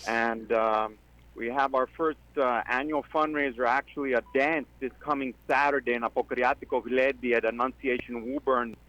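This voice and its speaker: A man from Greece calling in to a radio show, talking earnestly with many pauses. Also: mid-range voice, steady tone, fairly bright tone. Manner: earnest, with many ums, speeds up when joking. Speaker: caller. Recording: dull lo-fi phone line.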